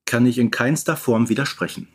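A man speaking on a podcast in a casual, analytical way, measured and a little hesitant as he works through his thoughts. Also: mid-range voice, expressive, husky. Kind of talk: casual podcast discussion of children's audio dramas.

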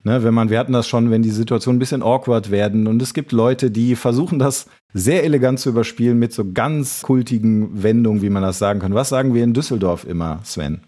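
A man's voice: medium pitch, fast talker, few pauses, warm tone. A man co-hosting a podcast in casual chat, rambling and correcting himself as he talks. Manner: rambling, self-correcting, hesitant. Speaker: podcast co-host.

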